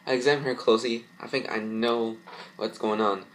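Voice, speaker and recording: A man's voice: medium pitch, steady tone, fairly quick, a little hiss or hum, lightly acted, low-quality recording. A man voicing a solemn, bookish young girl who explains the occult in a cartoon fan story.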